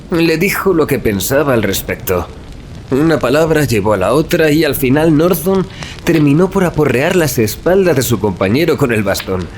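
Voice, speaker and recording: A man acting as a hearty young male student in an audio drama. He chatters in a colloquial, exclamatory way, with very lively swings of pitch. There is clear ambient noise behind him. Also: natural voice. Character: gossipy, indignant young male medical student, hearty and brisk. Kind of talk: Spanish audio drama dialogue.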